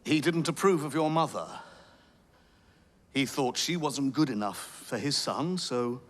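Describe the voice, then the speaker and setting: A man's voice: mid-range voice, a little slow, lightly acted. An actor playing a knowing older man, a kindly adviser with a wry, chuckling manner. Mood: grave. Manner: wry, laughs warmly as he talks.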